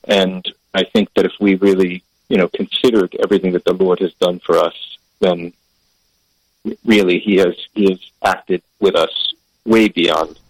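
A man from the United States calling in to a radio show, speaking in a reflective, measured way. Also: sits low, fairly even intonation, breathy edge, dry recording, poor audio. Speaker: radio caller. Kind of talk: phone-in conversation.

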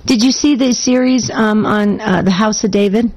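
A woman hosting a call-in radio show with a slightly scratchy voice, chatting and cheering on her callers with eager warmth of words. Her voice sits at a middling pitch, and the sound is a little dull. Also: moderate pace. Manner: enthusiastic, affirming. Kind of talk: casual talk radio hosting.

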